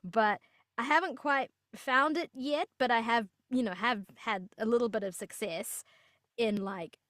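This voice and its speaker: A woman's voice: fairly high pitch, measured pace, a bit bright, dry recording, clean studio sound. A young woman from New Zealand, a voice actor, chatting cheerfully in an interview with frequent restarts. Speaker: voice actor guest. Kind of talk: casual interview chat.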